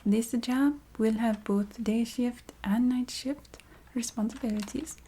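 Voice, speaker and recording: Lady doing a polite vampire desk clerk for asmr, fake eastern european accent, mellow breathy half whisper, really slow, some hiss n typing behind. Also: a little high. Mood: matter-of-fact, approving. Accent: put-on Eastern European. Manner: halting, formal phrasing with small hesitant hums. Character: courteous, matter-of-fact female vampire staffing agency receptionist. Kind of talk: soft-spoken ASMR roleplay.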